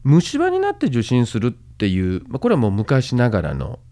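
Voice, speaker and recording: Man lecturing with wildly swinging pitch. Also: huge pitch swings, moderate pace, warm tone. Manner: casual, with many fillers and sentence-final tags; speaks to the listeners directly, encouraging them. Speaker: host and medical management lecturer. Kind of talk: explanatory podcast lecture.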